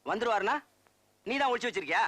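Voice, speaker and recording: An actor playing a brusque, suspicious police inspector taking a complaint. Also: male voice, sits high, expressive, fast, sharp tone, dry recording, full character voice. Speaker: police officer. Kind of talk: film acting.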